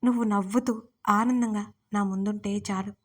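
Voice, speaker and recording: Kindly older uncle for a storybook, read by a woman narrator, gentle and loving. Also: medium pitch, steady tone, moderate pace, close to an everyday voice. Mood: affectionate.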